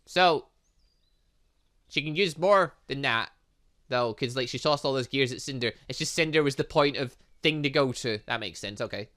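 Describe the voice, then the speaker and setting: A man giving excitable, rambling commentary as he plays through a game, often thinking aloud. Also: medium pitch, normal speed. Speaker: gaming channel host.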